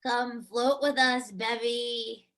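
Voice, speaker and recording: A woman's voice: on the high side, steady tone, takes it slowly, a bit bright. A woman playing a menacing, teasing shape-shifting creature that lures children, at an amateur table read. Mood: sinister luring.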